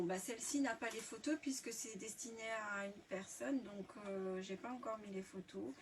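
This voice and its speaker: A French woman hosting a live scrapbooking tutorial, talking casually with many fillers and restarts as she shows her materials. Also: mid-range voice. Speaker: scrapbooking workshop host. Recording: distant mic, faint background hiss.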